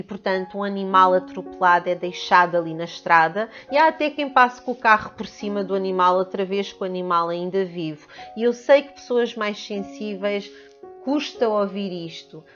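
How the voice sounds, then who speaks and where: A woman's voice: fairly low pitch, dull audio. A woman with a European Portuguese accent, hosting a spiritual video with earnest, emphatic speech and much repetition. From Portugal and the Netherlands. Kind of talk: spiritual talk to camera.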